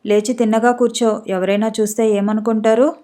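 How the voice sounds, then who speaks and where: A woman reading the part of a grieving, resigned young man who drinks, in a subdued and gentle way, in an audiobook story. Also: fairly high pitch, flat delivery, fairly quick, close to an everyday voice. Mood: sorrowful.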